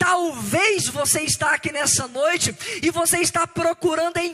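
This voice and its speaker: An extremely high-pitched male voice, raised and projected, at a fairly slow pace with ordinary pitch variation and music in the background. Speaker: preacher. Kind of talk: sermon.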